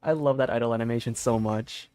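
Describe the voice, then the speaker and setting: A young man streaming a video game, chatting casually with his viewers, often laughing and getting loudly excited. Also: medium pitch, fast talker, clear, resonant tone. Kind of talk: casual gaming livestream chat. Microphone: desk mic with limiter filter.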